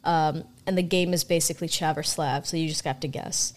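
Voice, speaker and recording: A woman's voice: sits low, fairly even intonation, fairly quick. A young woman co-hosting a podcast in casual, irreverent chat, rambling with lots of fillers. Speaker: podcast co-host.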